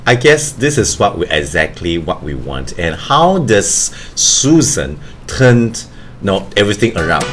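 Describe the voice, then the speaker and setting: A man's voice: low voice, big pitch swings, a little slow, fairly bright tone, slight background noise. A man hosting a casual studio interview, teasing and joking with his guest. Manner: teasing, jokey. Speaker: host. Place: web radio studio.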